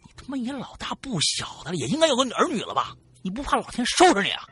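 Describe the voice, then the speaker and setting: A man voicing a furious uncle who threatens loudly in a husky voice. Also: very high-pitched, huge pitch swings, fast talker, faint music behind, pitched above the performer's own voice, exaggerated voice.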